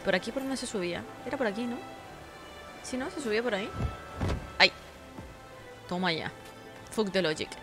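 A tired woman chats through her gameplay on a close mic. She swears freely and turns fights into dramatic cries for help, while game music plays clearly behind her. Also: mid-range voice, lively intonation, normal speed, pauses often. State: tired, sleepy. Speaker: gameplay streamer. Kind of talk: casual gameplay commentary.

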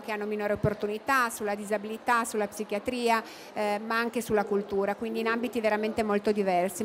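A woman's voice: on the high side, slight background noise. Middle-aged woman, hesitant interview answers. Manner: hesitant, many fillers and restarts. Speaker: interviewee, cooperative representative. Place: expo booth studio, indoors. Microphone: handheld mic.

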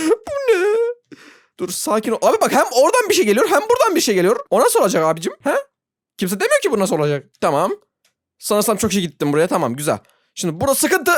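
An excitable gaming YouTuber talks viewers through a frustrating level, swinging from low mutters to high squeals with a very lively pitch. The sound is dry and close, with no room around it. The talk is self-mocking and chatty, aimed straight at the audience. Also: fast talker, dry recording. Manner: talks to viewers directly, laughs often. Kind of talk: Roblox gameplay commentary.

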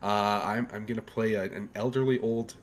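A man's voice: fairly low pitch, fairly even intonation, moderate pace. A man on a headset, a guest chatting about his podcast and games. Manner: chatty, plugging his show. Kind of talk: casual chat.

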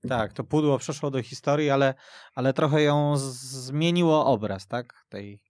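A man's voice: mid-range voice, moderate pace, a little mellow, no room sound, clean studio sound. A man hosting a football discussion on the radio, with hesitant, stop-start phrasing. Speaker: host. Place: radio studio.

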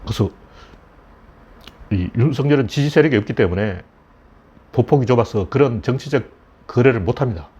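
A man's voice: mid-range voice, expressive, moderate pace, long pauses, dark tone, slightly rough. A middle-aged man giving casual, blunt political commentary with scornful, mocking asides. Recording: dull lo-fi recording.

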